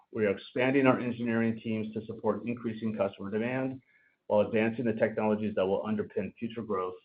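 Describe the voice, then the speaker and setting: Man, narrow tinny phone line, finance executive, formal scripted corporate remarks, measured. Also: fairly low pitch. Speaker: company finance executive on an earnings call. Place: conference call line.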